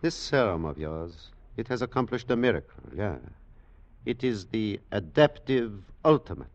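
An actor playing a grave, world-weary older German scientist in a 1940s radio drama, speaking deliberately. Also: male voice, lowish voice, sing-song. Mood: grave, foreboding. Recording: muffled 1940s radio broadcast.

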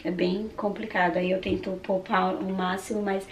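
A young Brazilian woman vlogger with a hoarse, husky voice, chatting casually to her viewers at home. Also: mid-range voice, flat delivery, moderate pace, slight background noise. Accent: Brazilian Portuguese. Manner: chatty, keeps addressing viewers. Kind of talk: casual chat to camera. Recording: roomy, distant camera mic.

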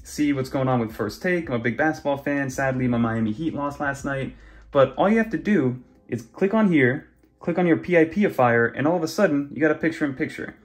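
A man's voice: mid-range voice, lively intonation, a little fast. A young man casually walking through tablet browser features in a chatty, conversational way. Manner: chatty, conversational, many fillers. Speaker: tech YouTuber. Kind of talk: casual screen walkthrough.

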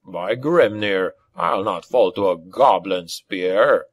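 A grim dwarf slayer, voiced by a male reader, growling low and slow. He is stubborn and proud, a gruff old-school warrior from a fantasy audiobook. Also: animated, dull audio, full character voice. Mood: grim pride. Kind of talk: acted audiobook dialogue.

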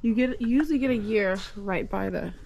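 Woman, supportive companion with short upbeat reactions; mid-pitched, faint room noise. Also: brisk, gravelly, darkish tone, muffled recording. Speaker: companion helping sort. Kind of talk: casual chat. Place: cluttered storage unit.

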